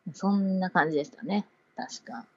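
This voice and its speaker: A woman's voice: medium pitch, slightly rough, dry recording, lo-fi sound. A woman co-hosting a casual chat, telling a story in an easygoing way and laughing often. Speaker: podcast co-host.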